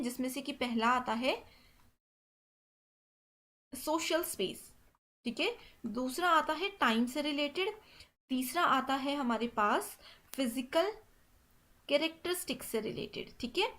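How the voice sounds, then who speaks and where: A woman teaching an exam-prep lesson, mixing English terms into Hindi and checking in with "theek hai" after each point. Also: high voice. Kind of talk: explaining exam questions.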